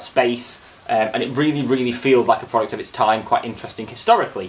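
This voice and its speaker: The speech moves at a very fast pace. There is noticeable background noise. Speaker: book reviewer. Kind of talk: vlog review.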